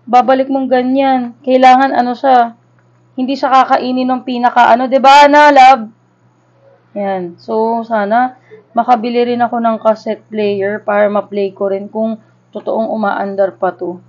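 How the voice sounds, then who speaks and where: In a slightly high, somewhat mellow voice, a Filipino woman in her thirties speaks flatly and without hurry. She's vlogging an unboxing of a collectible, chatting in nostalgic, informal Taglish. The recording has a dull, lo-fi quality.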